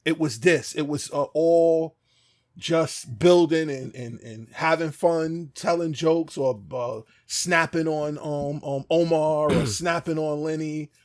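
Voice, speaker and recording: Male podcast co-host, fairly high-pitched, telling stories casually, circling back and searching for words. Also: slow, a little mellow. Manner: hesitant, searching, repeats phrases. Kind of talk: casual chat, reminiscing.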